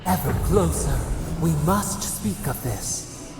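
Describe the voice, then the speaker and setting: An ancient deity in a fantasy game, solemn and full of cryptic longing. The voice is heavily creaky and extremely slow, ringing through a long cavernous reverb. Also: mid-range voice, lively intonation. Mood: solemn yearning. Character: ancient otherworldly god voice, solemn, yearning, cryptic. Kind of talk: video game voice acting. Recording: long echoing reverb over music.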